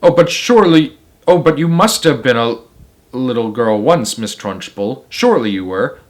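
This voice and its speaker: A man's voice: mid-range voice, lively intonation, moderate pace, close to an everyday voice. A man voicing a polite, earnest woman schoolteacher who pleads her case in a children's storybook reading. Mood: protesting. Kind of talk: children's storybook read-aloud.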